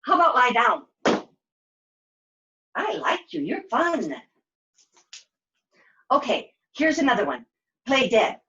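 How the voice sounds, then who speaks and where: A woman's voice: on the high side, sing-song, slow, pauses often, pushed and bright, full character voice. A woman voicing a weary, scatterbrained heroine of a fairy-tale quest, dramatic and exclamatory as she talks to herself. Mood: playful, bossy. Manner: dramatic, self-talking, exclamatory. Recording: dull lo-fi sound.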